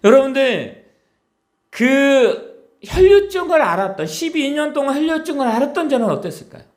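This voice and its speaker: A male pastor preaching with a strikingly high voice that swings widely in pitch. He hammers key words, repeats them, and throws rhetorical questions out to the congregation to keep them engaged. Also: very animated, moderate pace, darkish tone. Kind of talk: sermon.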